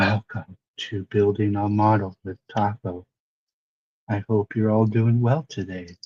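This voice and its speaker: Whispering in a breathy, put-on character voice, a man speaks at a fairly slow pace against a quiet background with a dry, close sound and no echo. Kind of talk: soft, soothing. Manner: breathy whisper, ASMR.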